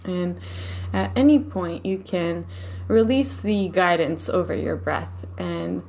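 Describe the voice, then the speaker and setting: A woman leading a live guided meditation in a soothing, unhurried, gently instructive manner. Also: on the low side, gravelly, slight background noise.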